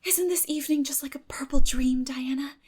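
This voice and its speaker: A woman's voice: high-pitched, a little fast, mellow, voice pushed up, close to an everyday voice. A woman voicing a dreamy, effusive young schoolgirl in an audiobook, breathless, earnest and gushing. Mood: dreamy delight. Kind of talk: dramatic audiobook character reading.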